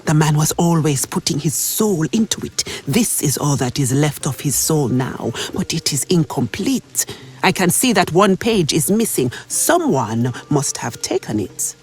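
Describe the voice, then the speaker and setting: An actor voicing a solemn, mystically minded mercenary in a video game, speaking in a formal, measured, hushed way. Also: male voice, on the high side, big pitch swings. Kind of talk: video game character acting.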